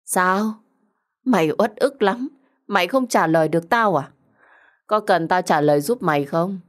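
A cruel, two-faced young woman, acted out by a female storyteller, talks down to her victim in an audio story. Her voice sits a little low, and she is smug, taunting and thick with sarcasm. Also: a little slow, close to an everyday voice. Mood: condescending, cruel.

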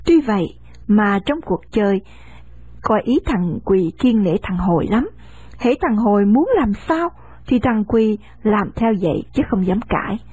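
A woman reading a novel aloud in a steady storytelling manner. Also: mid-range voice, measured pace, breathy edge, no echo. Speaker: narrator.

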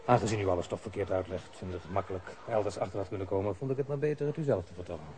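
An actor playing a courteous, evasive police official in a radio play, speaking in a measured, officious way. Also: male voice, deep voice, mellow, a little hiss or hum, natural voice. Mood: guarded, officious. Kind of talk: Dutch radio play acting.

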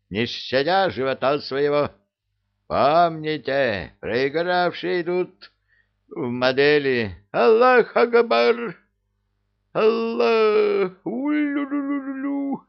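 A man reading an audiobook voices a male king of a genie army, shouting battle orders. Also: high voice, expressive, slow pace, vocal fry, muffled recording, pitched above the performer's own voice, heavily acted. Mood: rallying.

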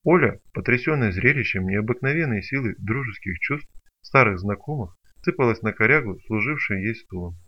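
A man narrating an audiobook in an expressive storytelling manner. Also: fairly low pitch, normal speed, few pauses. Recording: dull lo-fi recording.

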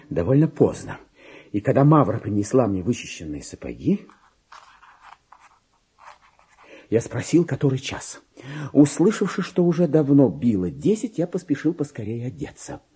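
A man's voice: medium pitch, dark tone, husky. An actor voicing a petty, resentful, self-important male clerk in a radio play monologue, theatrical and grumbling, with mimicry of other people. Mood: grudging, matter-of-fact. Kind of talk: dramatic monologue in a Russian literary radio play.

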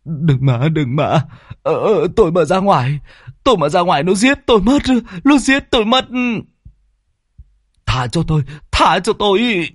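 A man's voice: high voice, expressive, measured pace, dry recording, clean studio sound, pitched above the performer's own voice. A man voicing a terrified young man in a horror story, whining and stammering as he pleads. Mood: terrified pleading.

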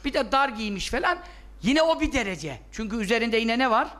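A man with a very high, bright and forceful voice teaches a religious lesson. He scolds with emphasis and keeps firing rhetorical questions that he answers himself. He often voices the objections he expects from listeners. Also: lively intonation, brisk.

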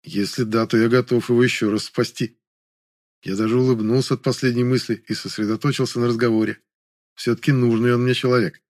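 Guy reading an audiobook in first person, calm even tone, mid-range voice. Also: medium pitch, brisk, no echo, clean studio sound. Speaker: narrator.

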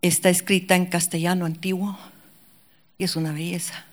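A woman preaching a sermon with passion, dropping to near-whispers and rising to shouted cries. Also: lowish voice, level tone, moderate pace. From Guatemala.

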